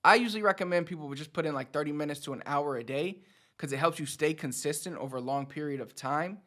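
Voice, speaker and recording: Talking fast in a fairly high, pushed and bright voice, a man in his thirties encourages his viewers. As a Spanish teacher and channel host, he keeps it conversational and repeats words to drive points home.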